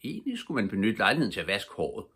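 An older man reading aloud, voicing a cheeky, fearless little girl in a lively, bold and playful way. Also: on the low side, husky, exaggerated voice. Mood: merry. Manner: lively, bold, full of fun.

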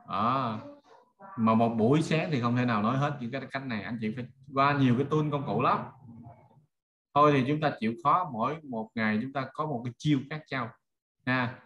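A middle-aged man with a Southern Vietnamese accent, an online marketing trainer, teaches informally on a video call. His medium-pitched, fairly bright voice stays conversational as he uses everyday examples and often asks rhetorical questions to check that listeners follow.

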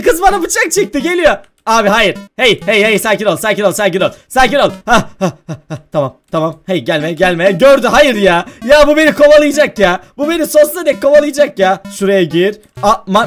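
A young man narrating his gameplay in a very high voice that leaps all over the place. He is playful and laughs easily, with faint game music running underneath. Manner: playful, shouts and laughs when startled. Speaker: gaming video creator. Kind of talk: excited gameplay commentary.

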